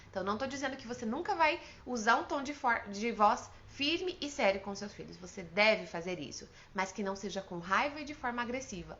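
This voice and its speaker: A woman's voice: a little high, sharp tone, muffled recording. A woman with a Brazilian Portuguese accent, a mother hosting a parenting advice talk, speaking earnestly and with emphasis in a coaching tone. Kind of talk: direct-to-camera advice talk.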